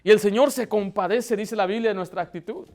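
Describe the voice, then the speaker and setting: A man with a high voice delivers a church sermon as pastor. He often stops to ask the congregation questions, and his delivery swells with emotion as he presses his point. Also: fairly quick, vocal fry, darkish tone. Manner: preaching with rising emotion, asking the congregation questions.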